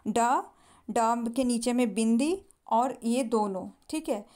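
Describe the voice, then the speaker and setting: A woman's voice: on the high side, takes it slowly, dark tone. A woman teacher, patiently going through exam multiple-choice questions and repeating each answer. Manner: explains patiently, repeats each answer, often says "thik hai".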